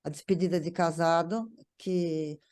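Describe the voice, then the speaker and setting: A woman's voice: fairly low pitch, fairly even intonation, unhurried, darkish tone. A Brazilian woman speaking casually as a panel guest, recalling a writer's work and often repeating words as she searches for phrasing. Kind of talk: casual conversational recollection.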